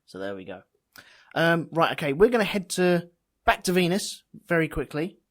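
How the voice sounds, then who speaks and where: A man hosting a casual podcast chat, rambling and mocking himself as he thinks out loud. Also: fairly high pitch, big pitch swings, moderate pace. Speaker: podcast host.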